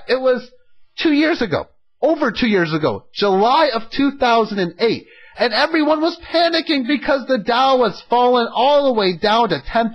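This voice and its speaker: A man hosting an economic audio log talks informally and emphatically, with firm opinions, often posing rhetorical questions and answering them himself. His voice is high-pitched and the recording quality is low.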